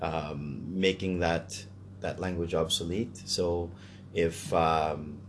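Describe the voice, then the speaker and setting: A man's voice: low voice, steady tone, slow, slight background noise. A Canadian man talking casually in a discussion, hesitant as he thinks aloud.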